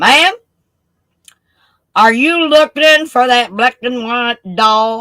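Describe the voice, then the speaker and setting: A woman uses a put-on character voice pitched high. She talks at a very slow pace. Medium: solo performance. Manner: gruff, folksy.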